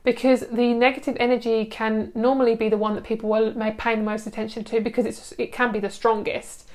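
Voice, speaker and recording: A woman's voice: fairly high pitch, little pitch movement, fairly quick, darkish tone. A young adult woman giving a chatty, soothing tarot card reading to camera, gushing over the cards with lots of fillers.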